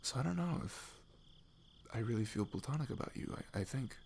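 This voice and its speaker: A man playing a sweet, nervous young best friend in an intimate ASMR roleplay, speaking haltingly with a husky, breathy voice that drops toward whispers. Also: medium pitch, animated, darkish tone, slight background noise. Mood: nervous, tender. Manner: hesitant, halting, slipping into whispers.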